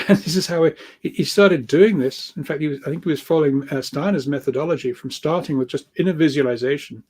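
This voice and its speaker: Mellow-voiced man, halting and rambling. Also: fairly high pitch, husky. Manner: halting, repeats words, rambling, chuckles often. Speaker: guest speaker, researcher of earth energies. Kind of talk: informal spoken explanation of spiritual ideas.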